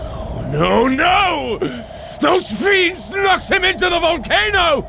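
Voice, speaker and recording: An actor playing a hearty, protective warrior god in a dramatic audio adventure, with grandiose, archaic, rallying speech. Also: male voice, very high-pitched, very animated, slow, vocal fry, raised voice, background noise, full character voice. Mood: anguished.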